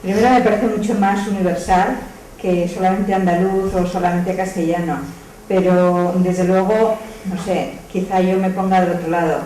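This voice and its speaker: Mellow Spanish woman in a very echoey room. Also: on the low side, fairly even intonation, normal speed. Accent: Spanish (Spain). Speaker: audience member commenting. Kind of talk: spontaneous discussion at a literary talk. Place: echoey indoor hall at a public talk. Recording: distant, very echoey room, faint noise.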